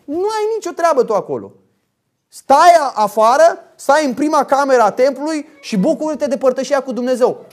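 Very high-voiced male preacher. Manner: emphatic, with frequent rhetorical tag questions. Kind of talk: sermon.

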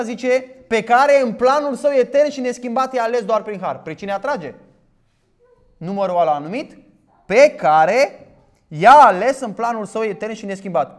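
A man preaching a sermon, emphatic, asking rhetorical questions and quoting scripture loudly. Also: high voice.

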